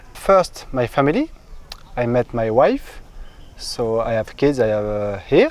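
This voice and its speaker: A man's medium-pitched voice at a moderate pace. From France, Lyon. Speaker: tour company owner. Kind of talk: interview. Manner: halting.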